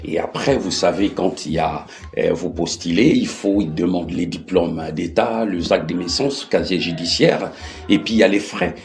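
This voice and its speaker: A middle-aged male interview guest with a Congolese accent. His voice sits low and deep. He explains things conversationally, with halting phrases that he often restarts and repeats. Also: faint music behind. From Democratic Republic of the Congo. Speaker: interview guest, political activist.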